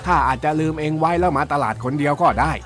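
A man's voice: fairly high pitch, fast talker, a bit bright, natural voice. A man playing a grumpy old uncle. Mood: grudging. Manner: scolding, blustery, rustic speech. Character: grumpy impatient old uncle, rustic and bossy. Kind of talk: children's radio drama acting. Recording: music playing underneath.

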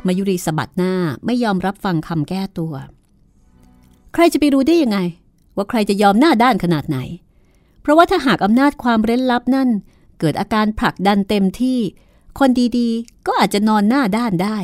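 A woman's voice: a little high, lively intonation, normal speed, no echo, studio quality, soft background music, voice pushed up, close to an everyday voice. A woman voicing a proud, cold older sister who speaks in a cutting, sarcastic way. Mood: scornful.

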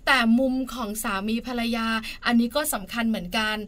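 A woman hosting a casual podcast chat, asking questions and answering her guest with quick affirmations. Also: on the high side, fairly bright tone. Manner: chatty, affirming, asks questions. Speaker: podcast host.

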